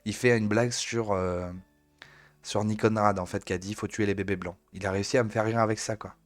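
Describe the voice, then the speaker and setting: A man's voice: lowish voice, steady tone, brisk, dry recording, soft background music. A man from France hosting a live news review, talking in a blunt, sarcastic, mocking way. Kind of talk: casual live commentary.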